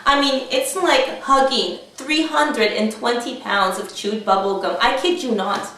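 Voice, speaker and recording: A woman's voice: a little high, unhurried, fairly bright tone. A woman playing a brassy, sardonic married talk show host, chatty and theatrical in a comedy sketch. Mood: mocking. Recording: echoey room, distant microphone.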